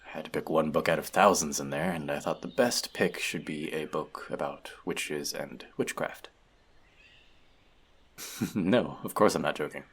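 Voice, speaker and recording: A man's voice: rumbling low, unhurried, a bit bright, husky, full character voice. A man playing an earnest, bookish elf outcast in an audio roleplay, confiding in a friend in a hesitant, self-doubting way. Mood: eager, sharing. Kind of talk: scripted audio roleplay addressed to the listener.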